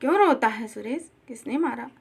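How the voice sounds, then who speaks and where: A woman's voice: on the high side, expressive, normal speed, creaky, slightly rough, full character voice. A woman reading the part of a stern village mother who scolds sharply. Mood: concerned. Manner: harsh, scolding.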